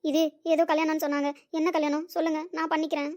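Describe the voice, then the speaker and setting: A woman's voice: high-pitched, little pitch movement, fast talker, darkish tone, natural voice. A woman voicing a desperate young woman who pleads urgently for money in an amateur audio drama. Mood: pleading.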